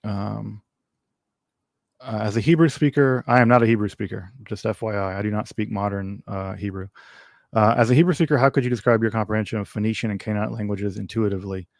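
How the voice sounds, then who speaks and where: A man's voice: on the low side, brisk, creaky, dry recording, studio quality. A man hosting a casual livestream Q&A, answering viewer questions in a rambling way with many ums, restarts and wry asides.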